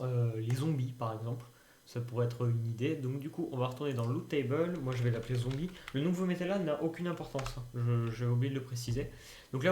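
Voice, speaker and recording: A man walks through a software tutorial in a relaxed, unscripted way, pausing and hesitating as he works things out. His voice is mellow and dark. The room is echoey. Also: medium pitch, slight background noise. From France. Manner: hesitant, thinking aloud with many fillers. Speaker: tutorial youtuber. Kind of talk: casual screen-recorded tutorial. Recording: roomy home recording.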